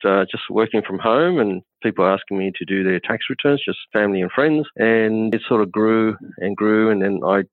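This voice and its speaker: A man, croaky from a cold, talking as a podcast guest in a rambling, plain-spoken way with many restarts. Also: fairly low pitch, moderate pace, hardly any pauses, dry recording. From Australia. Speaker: guest, accountant and firm co-founder. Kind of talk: casual interview chat. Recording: tinny phone-like line, dry.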